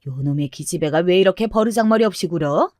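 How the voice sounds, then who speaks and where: A domineering old grandmother, voiced by a woman reading the tale, scolding her granddaughter in a low, commanding tone. The voice is recorded close and dry with no room sound, like a storybook narration. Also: animated, fast, darkish tone, no echo, close to an everyday voice.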